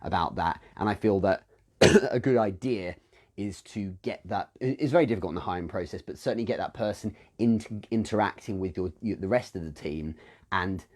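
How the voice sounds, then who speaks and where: A man's voice: sits low, normal speed, a little mellow. A British man hosting a live question-and-answer stream, thinking aloud with frequent restarts and self-corrections. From United Kingdom. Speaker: host answering business questions.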